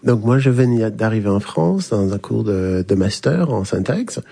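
A man's voice: lowish voice, expressive, moderate pace, gravelly, mellow, husky. A man from the English-speaking Caribbean, a university lecturer, telling a story in hesitant French with many fillers. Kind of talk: recorded interview testimony.

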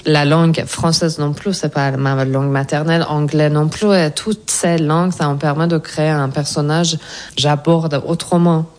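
A woman's voice: deep voice, steady tone, moderate pace, a little mellow. A woman from Iran, speaking French as a guest in a radio interview and answering thoughtfully, searching for her words. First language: Persian. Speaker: actress guest.

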